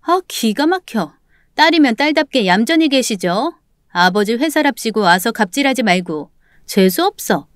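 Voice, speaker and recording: A woman voicing a rude, defiant young female secretary with a sneering manner, pitched a little higher than her narration. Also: animated, normal speed, no room sound, clean studio sound, lightly acted.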